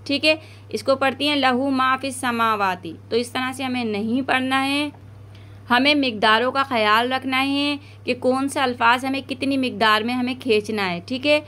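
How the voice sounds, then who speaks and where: A woman with a South Asian Urdu accent teaches Quran recitation one step at a time, stretching each word out slowly as a model before explaining at a quick pace. Her voice is high and sharp.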